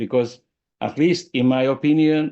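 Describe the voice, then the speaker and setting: A man talks with a Hungarian accent. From Hungary. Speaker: sales team director and trainer. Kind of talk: online training presentation.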